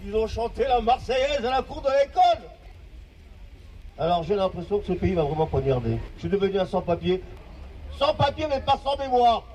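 A man's voice: high voice, sing-song, darkish tone, recorded from a distance, slight background noise, rough recording. Impassioned man in his fifties, oratorical. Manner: impassioned, oratorical, with dramatic pauses and repetition. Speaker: care aide giving a testimony. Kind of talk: impassioned public testimony. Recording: voice from off-mic.

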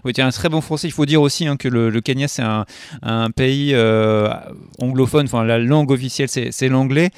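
Male radio host, smooth clear voice, dry studio, hesitant bilingual questioning. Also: medium pitch, dry recording. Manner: halting, many fillers and restarts. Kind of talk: radio interview, translating for listeners.

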